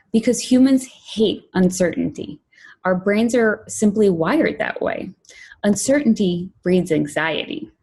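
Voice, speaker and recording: A woman from Poland, raised in New York, giving a prepared conference talk as a product director, measured and clear, with lists and emphasis. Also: lowish voice, darkish tone. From Poland, raised in New York City.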